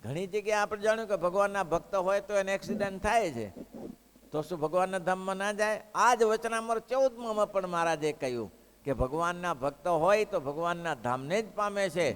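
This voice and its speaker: A man preaching a devotional sermon, telling a story in an animated way and putting questions to the listeners. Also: sits high, fairly quick, smooth. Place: hall of a religious school. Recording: echoey hall.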